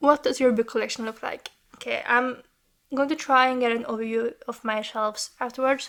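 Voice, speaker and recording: Speaking fairly quickly with a Norwegian accent, a woman keeps a monotone, flat intonation at a high pitch. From Norway. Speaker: book vlogger. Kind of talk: casual vlog talk to camera. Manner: halting.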